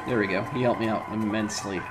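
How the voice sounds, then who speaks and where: A man's voice: on the low side, fairly even intonation, quick pace. A man in his thirties casually commenting on the game he is playing, thinking aloud with lots of fillers at home. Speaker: let's play host. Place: home room.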